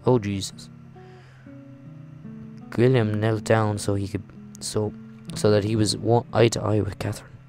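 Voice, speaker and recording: A man's voice: on the low side, little pitch movement, a little slow, creaky, pauses often. A man hosting a gaming video, reading visual novel narration aloud and reacting casually. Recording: music behind the voice.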